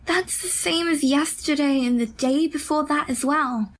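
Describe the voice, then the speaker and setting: A woman's voice: sits high, unhurried. A woman playing an irritable, gloomy young woman in an audio drama, terse and sardonic. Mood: glum.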